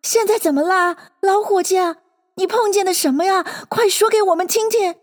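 A woman voicing a clamoring crowd of little animals, all shouting at once. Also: very high voice, normal speed, pitched above the performer's own voice. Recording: long hall reverb.

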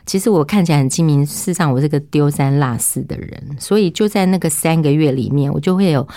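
A middle-aged woman telling her testimony in an interview, animated and acting out what people said. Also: deep voice, fast, no room sound, studio quality. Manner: lively, acts out quoted speech. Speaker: interview guest giving testimony. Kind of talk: animated storytelling.

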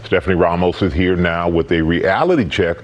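Deep-voiced male morning TV host. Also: brisk, dull audio.

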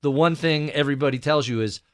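A man hosting an interview, curious and quick to affirm his guest. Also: on the high side. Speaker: interview host. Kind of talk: conversational interview.

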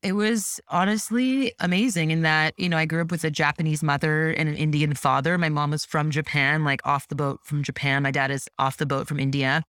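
A French-speaking Canadian woman appears as an entrepreneur guest in a casual podcast interview, animated and chatty with plenty of "like" and "you know." She has a low-pitched, smooth voice and talks briskly with few pauses, in studio-quality audio with no echo.

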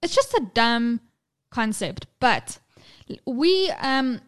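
Woman, thirties, podcast co-host, sweary casual chat, slightly high voice. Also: sing-song, takes it slowly. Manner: chatty, sweary, laughs often.

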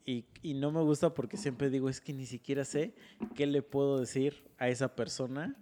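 A man's voice: mid-range voice, fairly even intonation, normal speed, warm tone, a little hiss or hum. A young man with a Mexican Spanish accent telling stories in casual, crude, slang-heavy chat. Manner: crude slangy storytelling, laughs often.

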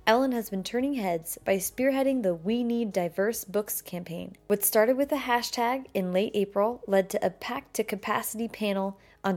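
A woman podcast host narrating a scripted introduction with a measured, upbeat delivery. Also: medium pitch, a little mellow.

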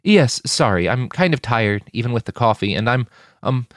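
A man's voice: mid-range voice, animated, moderate pace, dry recording, clean studio sound, close to an everyday voice. A man voicing a nervous, devout young woman who speaks hesitantly and anxiously.

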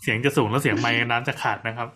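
A man in a casual podcast chat who asks quick follow-up questions. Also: medium pitch, fairly even intonation, bright, forceful tone.

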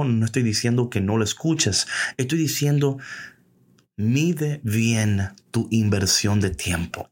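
A man hosting a casual devotional podcast, lively and playful, dropping English phrases into his talk. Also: mid-range voice. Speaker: podcast host.

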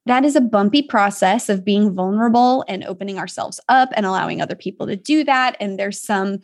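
A woman's voice: mid-range voice, fairly quick. Brief: woman host, mid-range voice, affirming and reflective faith interviewer. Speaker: podcast host.

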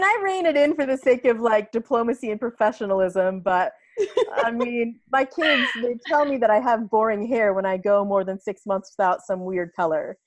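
A woman in her thirties, a podcast guest chatting casually, laughing often and quick to get animated. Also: mid-range voice, no room sound. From United States. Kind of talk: casual interview chat.

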